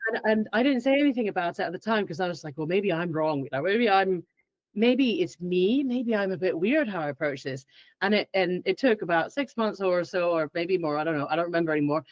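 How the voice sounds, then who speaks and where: Animated woman, dull audio. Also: fairly low pitch, fairly quick, dry recording. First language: Finnish. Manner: animated, acts out her own past thoughts. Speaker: guest expert. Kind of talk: podcast interview.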